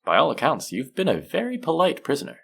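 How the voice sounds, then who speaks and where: A man playing a suave, manipulative supervillain in an intimate audio roleplay, measured and teasing, softly menacing yet tender toward his captive. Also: wildly swooping pitch, full character voice. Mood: amused, soothing. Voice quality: low, creaky voice.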